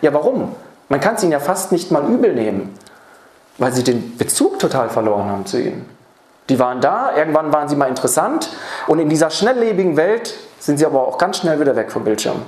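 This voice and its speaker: A man's voice: fairly high pitch, very animated, brisk, darkish tone. Man lecturing in a roomy hall. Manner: addresses the audience directly with rhetorical questions. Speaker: speaker on apprenticeship training. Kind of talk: seminar talk to a live audience. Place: seminar or lecture room.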